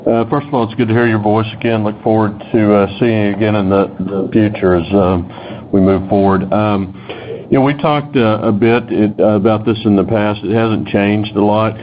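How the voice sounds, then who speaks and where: Man, executive on an earnings call, flat low delivery, measured, tinny phone sound. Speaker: company finance executive answering analysts. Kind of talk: unscripted earnings call answers. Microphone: telephone conference line. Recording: noisy phone-like conference call line.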